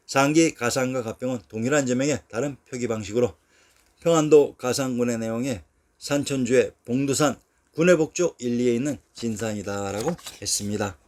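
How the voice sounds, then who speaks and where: A man giving a scripted history narration, reading long lists of place names at a measured, steady pace. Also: mid-range voice.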